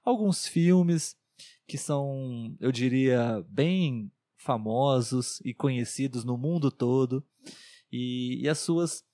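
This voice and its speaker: A man hosting a language-learning podcast, speaking in a clear, measured, encouraging way and often checking in with his guest. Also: medium pitch, warm tone, no echo. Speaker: podcast host.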